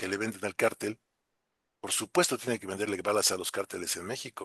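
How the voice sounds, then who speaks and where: In an unremarkable speaking voice, a man talks at a fairly quick pace and a fairly low pitch, with a dry, close sound with no echo and a quiet background. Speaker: political commentator on a panel. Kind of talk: panel discussion.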